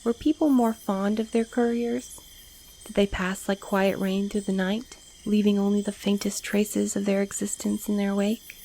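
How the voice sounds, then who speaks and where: A woman's voice: medium pitch, darkish tone, a little hiss or hum, natural voice, poor audio. A woman playing a wry, put-upon mail courier in an audio drama, conversational and a little sardonic. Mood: wistful, musing.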